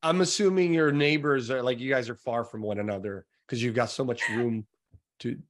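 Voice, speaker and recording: A man's voice: mid-range voice, normal speed. A man with an American accent hosting a podcast, interviewing in a casual, rambling way with repeated words. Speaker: podcast host.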